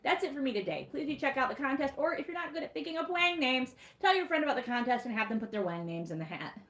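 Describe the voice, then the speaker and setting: A woman with a Michigan accent reads her own sarcastic recap aloud to a livestream audience. Her voice sits a little high, and she talks wryly, laughing at her own jokes. Her computer mic picks up a roomy echo. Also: big pitch swings, quick pace, fairly bright tone. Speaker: host reading a book recap.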